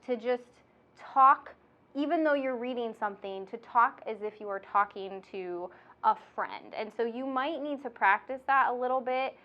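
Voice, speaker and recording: Nasal woman, higher voice, chatty and bubbly, kinda muffled lo-fi audio. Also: normal speed. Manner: bubbly, chatty, laughs often. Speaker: instructor and podcast host. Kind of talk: casual instructional chat.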